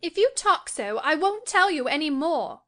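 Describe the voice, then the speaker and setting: A woman's voice: high voice, lively intonation, moderate pace, a bit bright, pitched above the performer's own voice. A woman voicing a peevish, anxious young lady in an audiobook, impulsive and emphatic in her pleading. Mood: peevish, impatient. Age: young adult. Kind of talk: audiobook character acting.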